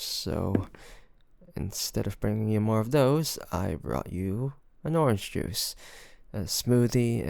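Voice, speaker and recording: Man acting as a slow-talking, gentle, worried boyfriend. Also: fairly low pitch, vocal fry, no room sound. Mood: tender, affectionate. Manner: gentle, hesitant, pleading, with sighs and pauses. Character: loving, worried boyfriend coaxing his sick partner to rest. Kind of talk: intimate roleplay audio drama, one-sided conversation.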